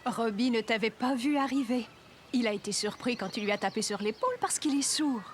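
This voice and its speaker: A woman voicing a friendly, calm young mother in a French-language children's cartoon, politely explaining. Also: on the high side, a little fast, a little hiss or hum, close to an everyday voice.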